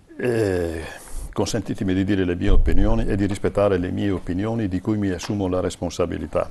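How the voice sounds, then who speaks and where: Noticeable background noise sits under a man speaking at a fairly quick pace. His pitch is very deep and low, with ordinary variation. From Veneto, Padua area. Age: 70s. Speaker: local flood-safety association member. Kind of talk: TV panel debate.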